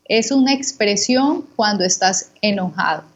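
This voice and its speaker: A Colombian woman, a guest teacher, calmly contrasting words and giving examples for Spanish learners. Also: mid-range voice, unhurried, lo-fi sound. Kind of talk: slow didactic conversation for learners.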